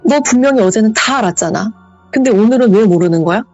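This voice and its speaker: A woman voicing a creepy aunt whose sugary coaxing turns to sharp scolding, in a husky voice. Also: on the low side, normal speed, highs cut off, soft background music. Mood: angry scolding. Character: creepy aunt, mood swinging from sweet to shrill.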